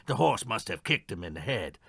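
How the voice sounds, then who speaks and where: A man's voice: fairly low pitch, very animated, fairly quick, gravelly, fairly bright tone, breathy edge, no echo, exaggerated voice. A man acting a stubborn, defensive horse trainer in an audio mystery play, respectful but defiant. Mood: nervous, evasive. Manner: defensive, addresses superiors respectfully.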